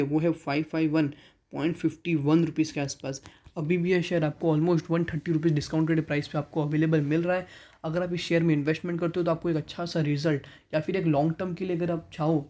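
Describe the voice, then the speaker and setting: Dark-voiced man reading stock figures. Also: a little high, little pitch movement, fast talker. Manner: mixes English terms into Hindi, reads figures aloud with self-corrections. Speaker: stock market channel host. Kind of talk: voice-over stock analysis.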